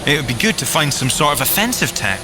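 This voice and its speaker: Animated, boastful young gadget-inventor agent. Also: male voice, on the high side, fast talker, over music. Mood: mock-serious, eager. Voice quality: animated, theatrical delivery. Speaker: agent and engineer character. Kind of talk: banter in an audio drama field report.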